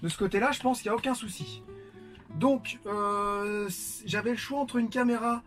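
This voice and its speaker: A man's voice: high voice, moderate pace, faint music behind. A man from France chatting casually to viewers while unboxing, with lots of fillers. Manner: chatty, many fillers, warm greetings to viewers. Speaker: vlogger.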